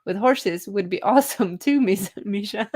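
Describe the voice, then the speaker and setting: A woman's voice: medium pitch, moderate pace, darkish tone, breathy edge. A young woman hosting a writing live stream, reading chat comments aloud in a cheerful, giggly way.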